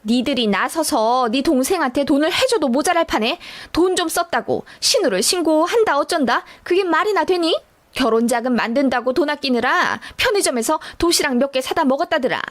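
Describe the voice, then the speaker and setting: A woman voicing a brazen, scolding middle-aged mother-in-law in a dramatic story reading, with a sharp, accusing manner. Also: high voice, lively intonation, fairly quick.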